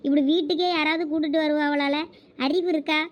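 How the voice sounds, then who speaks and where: A young woman with a Thoothukudi Tamil accent speaks fast in a high, steady voice, lightly acting in a village comedy skit. She plays an anxious college girl, scared of her father, who fretfully and nervously scolds her friend.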